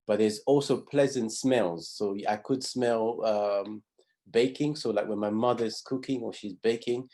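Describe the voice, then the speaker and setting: A man from Zambia, middle-aged, teaches a pathfinder class. His voice sits low and sounds warm and dark. He explains step by step, and he often repeats or restarts a phrase partway through. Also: fairly even intonation, unhurried. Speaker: pathfinder honour instructor. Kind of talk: teaching a class over video.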